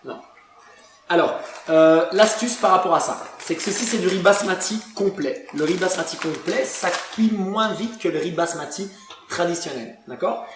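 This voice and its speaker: A fairly high-voiced Belgian man with a Liège accent chats through a home cooking segment, filling his sentences with hesitations and breaking into loud emphatic bursts. His voice rings around an echoey kitchen, with faint noise and clicks behind it. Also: moderate pace. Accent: Belgian French, Liège. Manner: chatty, hesitant with many fillers, bursts of emphatic shouting. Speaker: nutrition show host. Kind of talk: casual cooking chat.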